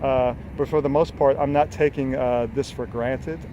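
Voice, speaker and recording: A man in his forties talks earnestly about health and motivation, rambling with frequent fillers and the odd curse. His pitch sits in an ordinary middle range. Clear outdoor noise, like passing traffic, runs behind him. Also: steady tone, normal speed, muffled recording. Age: 40s. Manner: earnest, rambling, frequent "uh" and restarts, casual swearing. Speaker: health coach. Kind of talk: unscripted motivational talk to camera.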